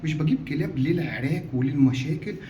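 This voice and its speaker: A man speaks quietly with ordinary pitch variation. Room echo is audible. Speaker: dog trainer and vlogger. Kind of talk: casual vlog monologue. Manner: lowered, quiet voice.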